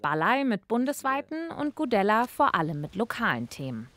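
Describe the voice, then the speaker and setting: A woman narrating a scripted regional news report in an even, measured way. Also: a little high.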